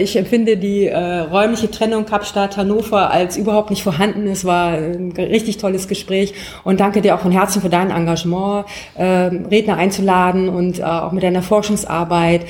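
A qigong teacher, appearing as a guest in a remote interview, explains her method with many filler sounds. Her voice is on the low side and a little mellow.

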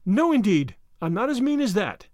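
A man's voice: sits high, sing-song, brisk, no echo, studio quality. A man voicing a young imaginative girl, impulsive and dramatic, speaking in a breathless, distressed way. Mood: determined.

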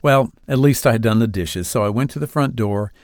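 A man at a middle pitch tells a devotional allegory in an earnest, unhurried way. His voice sits close and dry with no room sound around it. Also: no room sound. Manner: earnest, reading an allegory aloud. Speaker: podcast host. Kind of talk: devotional storytelling.

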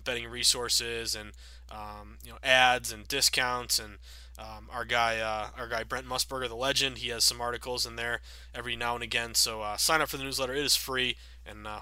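A man in his thirties hosting a sports betting podcast, chatty and upbeat with many fillers, sounding a bit raspy from a cold. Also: medium pitch, bright, forceful tone, no echo. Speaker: podcast host.

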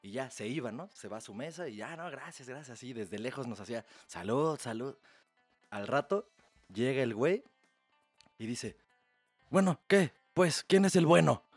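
A man with a Mexican accent tells a story at a mid-range pitch, loaded with slang and swearing. He acts out the other people in it with lively energy. Faint music plays under his voice. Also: normal speed, husky, dry recording. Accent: Mexican Spanish. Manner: crude slang-heavy, animated retelling. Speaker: podcast host. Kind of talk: casual storytelling chat.

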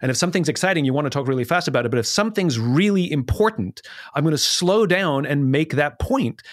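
A middle-aged man, a podcast guest who explains his ideas quickly and with energy in casual conversation. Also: on the high side, lively intonation, no echo, clean studio sound.

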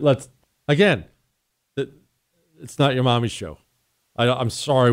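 A man hosting a call-in radio talk show, sarcastic and combative, mocking in a high voice then dropping low. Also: dry recording, clean studio sound.

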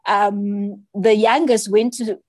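A woman's voice: medium pitch, steady tone, slow pace, a little mellow, dry recording. A South African woman, a children's author, chatting as an interview guest and telling stories with many "you know"s and "right"s. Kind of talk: casual interview chat.

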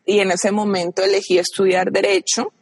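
A woman's voice: mid-range voice, little pitch movement, normal speed, husky, no echo, in a large hall. Colombian coastal woman, dry close voice. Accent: Colombian Caribbean coast. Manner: reflective, frequent fillers and restarts. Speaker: guest. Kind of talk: casual interview conversation.

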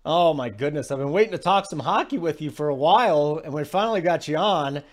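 A man's voice: fairly high pitch, lively intonation, fairly quick. A man hosting a sports betting radio show, talking in an emphatic, casual way and often asking "okay?".

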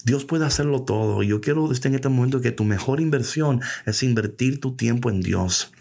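A man hosting a casual devotional podcast, lively and playful, dropping English phrases into his talk. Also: medium pitch, brisk, vocal fry. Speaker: podcast host.

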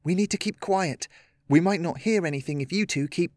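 A man's voice: a little high, fairly quick, darkish tone, no echo, voice pushed up, lightly acted. An earnest young girl played by a man takes charge of her friends in a storybook tale. The voice is lifted and dry, with no room sound. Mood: earnest, decisive.

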